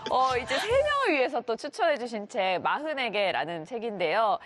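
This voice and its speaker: A woman in her thirties hosting a talk show, lively and responsive, full of small affirmations. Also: fairly high pitch, a little hiss or hum. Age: 30s.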